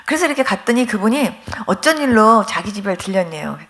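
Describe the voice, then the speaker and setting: A woman pastor giving a testimony sermon, telling her story in a lively way and acting out the dialogues. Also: mid-range voice, fairly quick.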